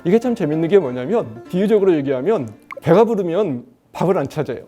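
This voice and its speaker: Quick talking middle-aged guy teaching a class, voice jumps all over, keeps quizzing the crowd. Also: on the high side, expressive, dark tone, soft background music. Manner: asks the audience questions and answers them. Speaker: Korean language teacher and lecturer. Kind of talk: lively lecture to a studio audience.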